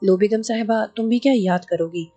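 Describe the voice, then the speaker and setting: A woman's voice: medium pitch, dark tone, faint music behind, close to an everyday voice. A woman voicing a scheming, greedy male sorcerer who boasts, bargains and threatens.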